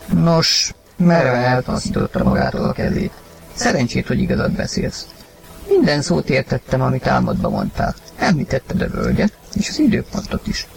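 Male audiobook reader, very gravelly, lively pitch, music bed. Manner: acted, rising to shouts in heated lines. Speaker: narrator and reader of the husband's lines. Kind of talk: dramatized audiobook reading.

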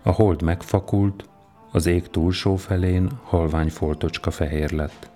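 A man narrating an audiobook in a slow, even, deliberate way. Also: sits low, faint music behind.

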